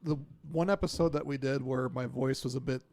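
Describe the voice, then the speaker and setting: A soft-spoken, quiet man co-hosting a casual podcast, talking from a home studio. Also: medium pitch, steady tone, a little fast, dry recording. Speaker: podcast co-host. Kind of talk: casual chat.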